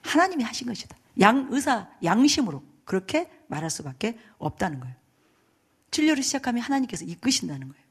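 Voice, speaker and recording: Animated husky-voiced woman pastor. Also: sits low. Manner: animated storytelling, laughing as she goes; acts out quoted voices. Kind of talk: sermon.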